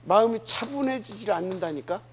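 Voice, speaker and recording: A man preaching a sermon, often asking the congregation questions and swinging between loud emphasis and soft asides. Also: high-pitched, animated, fairly quick, husky. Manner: asks the congregation questions, many fillers, dynamic swings. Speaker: pastor.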